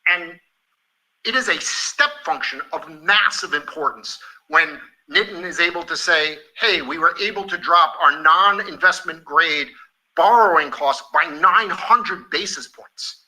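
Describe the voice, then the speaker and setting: A man with a very bright, sharp voice set a little high, speaking as a company executive on an earnings call. He is emphatic and enthusiastic, and sometimes halts and repeats himself as he builds his answer. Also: a little slow, rough recording.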